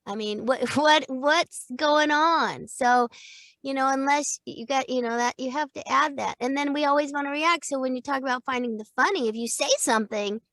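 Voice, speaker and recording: A middle-aged woman, a voice-over teacher, chatting in an interview in an animated way, laughing often and acting out example lines. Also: high voice, moderate pace, dry recording. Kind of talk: casual interview chat.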